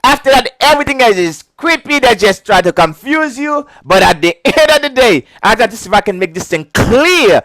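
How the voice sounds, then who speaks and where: A very high-voiced man talks fairly quickly with hardly any pauses, and the recording is dry. His heavy non-native accent colors a casual insurance licensing video lesson. He goes over key points again and again, chuckling often and teaching in an animated way.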